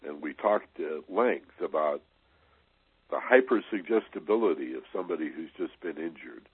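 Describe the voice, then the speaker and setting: Husky deep-voiced man on tinny radio. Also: animated, normal speed, no echo. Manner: conversational, peppers talk with "you know" and "right?". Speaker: radio host. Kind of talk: motivational radio talk. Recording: tinny, dry, band-limited radio sound.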